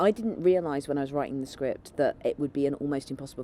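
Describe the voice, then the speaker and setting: Using a British accent, a woman speaks at a very fast pace in a very deep, low pitch with a dark, mellow tone and ordinary pitch variation. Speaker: journalist and author being interviewed. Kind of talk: interview answer. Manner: fast, animated, humorous.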